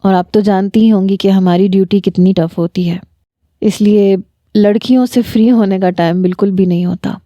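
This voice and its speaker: A woman voicing a smitten young male doctor who speaks softly and earnestly, read out in a story. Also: mid-range voice, steady tone, no room sound, lo-fi sound, close to an everyday voice. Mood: pleading. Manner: soft, coaxing and earnest. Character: young man, a smitten doctor, gentle and persistent. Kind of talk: story narration.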